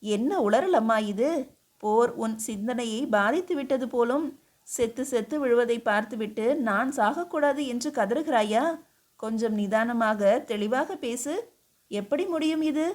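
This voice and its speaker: A woman's voice: a little high, unhurried, natural voice. A woman doing a stern exasperated emperor. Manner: scolding, incredulous questions. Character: male emperor, stern and exasperated, loving husband. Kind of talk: audiobook character voice.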